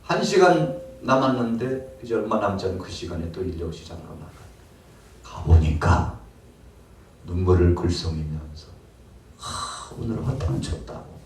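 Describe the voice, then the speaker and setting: A man's voice: low voice, moderate pace, a little mellow. A man preaching a sermon as pastor, telling the story dramatically and acting out the scenes. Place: church. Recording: roomy church hall, mic far off.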